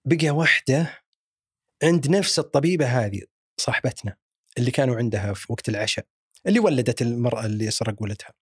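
Fast-talking Saudi man telling a story. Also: mid-range voice, lively intonation, slightly rough, dry recording, clean studio sound. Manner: chatty and rambling, with frequent restarts and fillers. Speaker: narrator. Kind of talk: casual storytelling.

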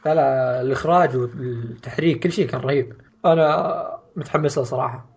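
Man, husky voice, rapid casual podcast chat, offhand. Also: mid-range voice. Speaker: podcast co-host.

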